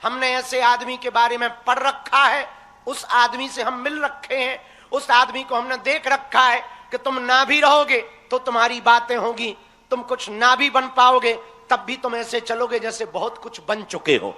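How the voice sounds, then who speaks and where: A man's voice: extremely high pitch, level tone, unhurried, sharp tone. A young man preaching live to a crowd, teasing and folksy as he exhorts his listeners. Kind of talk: live religious discourse to a crowd. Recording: echoey hall reverb.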